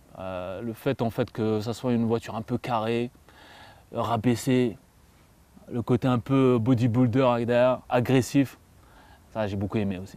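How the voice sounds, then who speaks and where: The man's tone is dark and mellow, with fairly even intonation. He speaks at a very slow pace, and the sound is dry with no echo. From Algeria, Batna. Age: 40s. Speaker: car enthusiast. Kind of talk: interview. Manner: hesitant, many fillers. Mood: calm, enthusiastic about his car. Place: open country. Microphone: lapel.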